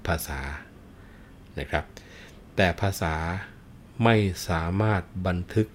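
A middle-aged man with a very low voice explains and retells a classic tale at an unhurried pace. He addresses the listeners directly and politely, and a faint noise sits under the voice. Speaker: storyteller. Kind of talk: explanatory storytelling talk.

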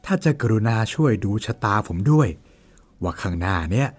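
A man's voice: lowish voice, expressive, moderate pace. A man playing an earnest, pleading suitor. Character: earnest down-on-his-luck man, courting suitor.

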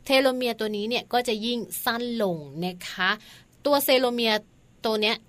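A woman in her forties co-hosting a radio talk show, chatty and quick to laugh as she explains research in detail. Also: fairly high pitch, steady tone. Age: 40s. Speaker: radio co-host. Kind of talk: casual chat.

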